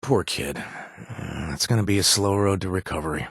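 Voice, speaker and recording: An actor voicing a gentle, awkward ex-raider companion in a video game, talking haltingly with many fillers and restarts. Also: male voice, low-pitched, gravelly, husky, no room sound, studio quality, full character voice. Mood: somber. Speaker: companion character.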